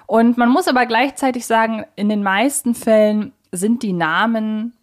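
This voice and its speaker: A woman's voice: a little high, normal speed. A woman podcast host moderating conversationally, explaining things in a chatty, wordy way.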